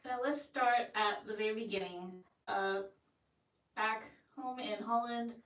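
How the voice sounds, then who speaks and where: A woman hosting an interview, asking brisk, friendly questions. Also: on the high side, fairly bright tone. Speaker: host. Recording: roomy, distant from the mic.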